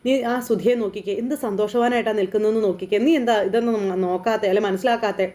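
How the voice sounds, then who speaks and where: A woman's voice: mid-range voice, fairly even intonation, racing, warm tone, natural voice. A woman voicing a bossy young woman who scolds and urges her friend. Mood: urging. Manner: scolding, insistent.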